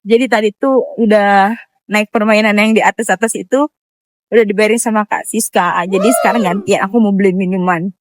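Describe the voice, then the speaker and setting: A woman's voice: medium pitch, steady tone, fairly quick. A woman chatting casually to her viewers as she vlogs on the move. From Indonesia. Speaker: vlogger. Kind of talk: casual vlog chat to viewers. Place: walking around a busy outdoor amusement area and nearby shop.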